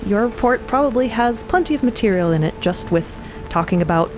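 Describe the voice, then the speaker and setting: A woman's voice: fairly high pitch, animated, brisk, over music, pitched above the performer's own voice, lightly acted. A woman playing a friendly, awkward, eager crew member in an audio fiction show, talking in a casual, rambling way.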